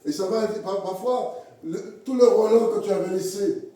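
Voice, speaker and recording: A man preaching a sermon in a halting way, repeating words and acting out little everyday scenes. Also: sits high, dark tone. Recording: echoey hall from far off.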